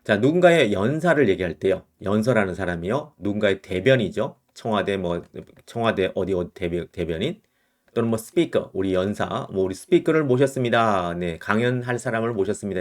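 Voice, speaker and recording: Casting: low male voice, native Korean speaker, patient teacher who repeats example phrases slowly. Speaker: English teacher. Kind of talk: English lesson explaining word use.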